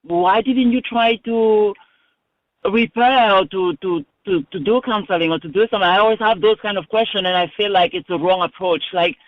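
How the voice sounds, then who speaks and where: A woman's voice: medium pitch, moderate pace, no echo. A woman from Cameroon, calling in with an earnest, searching question and restarting her phrases as she goes. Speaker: caller. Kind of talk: recorded call-in question. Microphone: phone. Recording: dull lo-fi phone line.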